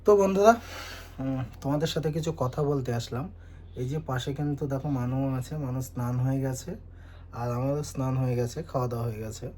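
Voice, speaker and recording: A young man calmly explaining and reasoning with viewers in a casual vlog at home. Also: mid-range voice, fairly quick, a little hiss or hum. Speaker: vlogger, husband. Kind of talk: casual vlog talk replying to comments. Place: home indoors.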